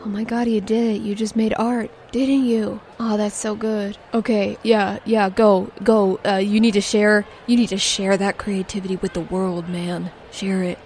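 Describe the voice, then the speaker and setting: A woman voicing an excitable, starstruck man who loves art, gushing and stammering in a tabletop game. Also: medium pitch, moderate pace, few pauses, faint music behind, lightly acted. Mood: awed.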